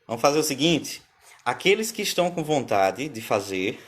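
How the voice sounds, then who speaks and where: A man's voice: mid-range voice, very animated, moderate pace. Patient male music teacher. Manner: patient, explains step by step, asks viewers questions. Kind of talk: live online music theory lesson.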